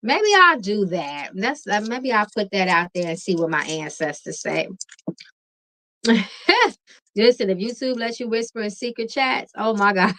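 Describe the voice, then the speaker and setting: A relaxed woman hosts a late-night livestream, chatting easily with her viewers and calling them y'all. Her voice is bright and calming, and she laughs often between remarks. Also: mid-range voice, measured pace, rough recording. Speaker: tarot reader and livestream host. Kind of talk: casual livestream chat with viewers.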